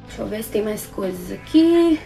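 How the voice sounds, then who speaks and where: A woman in her twenties with a Brazilian accent, chatting casually to camera as a beauty vlogger, expressive and repeating words for emphasis. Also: medium pitch, normal speed, vocal fry, soft background music. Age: 20s. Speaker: beauty vlogger reviewing products. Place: small plain indoor room.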